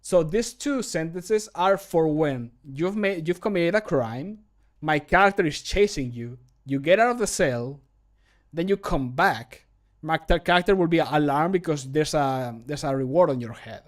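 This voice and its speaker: A man in his thirties chatting casually and jokily on a livestream, in an animated, self-amused way. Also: on the high side, moderate pace. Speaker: streamer and hobby game modder recording voice lines. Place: small home room, indoors.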